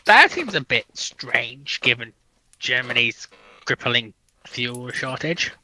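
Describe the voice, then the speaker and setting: A man's voice: mid-range voice, big pitch swings, slow, sharp tone, dry recording, poor audio. A man taking part as a panelist in a casual, bantering history discussion.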